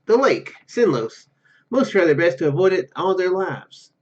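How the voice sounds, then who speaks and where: A man hosting a gaming video, commenting casually and reading game text aloud in a halting, rambling way. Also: sits high, very animated, dull audio.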